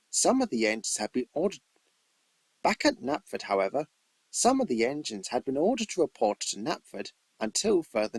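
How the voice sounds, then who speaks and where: A man's voice: mid-range voice, gravelly, breathy edge, no echo, poor audio. A man reading scripted storybook narration as an amateur narrator, with theatrical emphasis.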